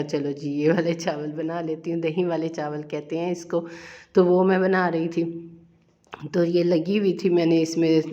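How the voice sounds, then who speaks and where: Low, flat-voiced woman chatting while cooking. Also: lo-fi sound. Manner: chatty, homely, repeats herself warmly. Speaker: vlogger. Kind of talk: casual chat while cooking. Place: home kitchen, indoors.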